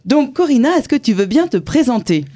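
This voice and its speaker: A woman's voice: sits high, sing-song, brisk, dark tone, dry recording. A woman hosting an interview, enthusiastic and exclamatory in her questions. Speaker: host.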